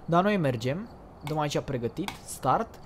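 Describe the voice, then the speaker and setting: A young man streaming a game live, chatting excitably and in slang with his viewers. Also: a little high, slight background noise. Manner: excitable, slangy, talks to chat. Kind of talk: casual live gaming chat.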